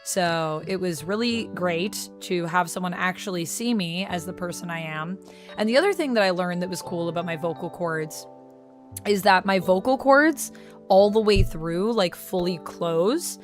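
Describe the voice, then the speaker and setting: Streamer woman, lowish voice, chatty and easygoing, faint music underneath. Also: moderate pace. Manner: chatty, reads chat aloud. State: recovering from vocal strain. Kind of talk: casual live-stream chat.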